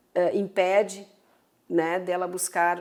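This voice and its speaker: A woman speaks with a dark, mellow tone. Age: 60s. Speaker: politician. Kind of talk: interview. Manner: halting.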